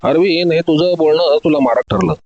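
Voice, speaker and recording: Cool male detective in an audio story, measured and commanding, slightly dull sound, as the narrator puts him on. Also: fairly high pitch, creaky, no echo. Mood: accusing. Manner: calm, commanding, methodical.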